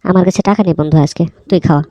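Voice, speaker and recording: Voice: mid-range voice, fairly even intonation, very fast, dark tone, no echo, dull audio, natural voice. A performer voicing a broke, pleading cartoon friend who talks in a casual, chummy, coaxing way. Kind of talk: cartoon dialogue.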